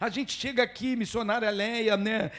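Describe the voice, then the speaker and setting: Bright and sharp in tone, a man speaks at a high pitch in an animated way in a very clean recording with a silent background. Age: 60s. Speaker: pastor. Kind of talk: sermon. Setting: church.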